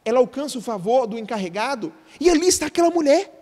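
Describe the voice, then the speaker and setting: A man's voice: very high-pitched, very animated, fast, a little mellow. A man with a Brazilian Portuguese accent, a pastor giving an earnest sermon and often calling the congregation brothers. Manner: earnest preaching that keeps addressing the congregation as brothers. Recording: reverberant church hall.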